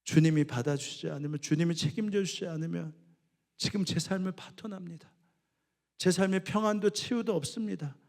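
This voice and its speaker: Man, pastor, sermon, high-pitched, gravelly, swings from loud cries to hushed tones. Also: a little fast. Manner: rising to impassioned shouts when voicing biblical cries, then dropping low and soft.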